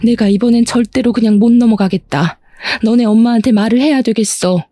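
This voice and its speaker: Brief: outspoken caring aunt, brisk, mellow dry voice, voiced by a woman narrator. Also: on the high side, no echo, lightly acted. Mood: indignant.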